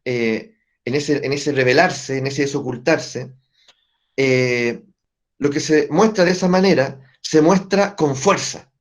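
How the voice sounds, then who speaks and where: A man teaching family constellations to a group, explaining step by step and often checking in with his listeners through quick tag questions. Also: mid-range voice. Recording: dull lo-fi recording.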